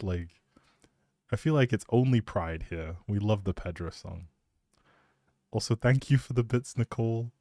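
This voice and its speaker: A man's voice: medium pitch, warm tone, dry recording, clean studio sound. A man live streaming, chatting casually in an appreciative, rambling way and thinking aloud as he goes.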